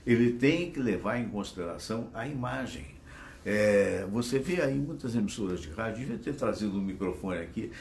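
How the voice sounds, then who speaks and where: A man's voice: fairly low pitch, creaky, slight background noise. A man with a Brazilian Portuguese accent hosting a live show, chatting in a digressive way and speaking straight to his audience, talking into a phone that he uses as a microphone. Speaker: host. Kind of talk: casual live show commentary. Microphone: phone used as microphone.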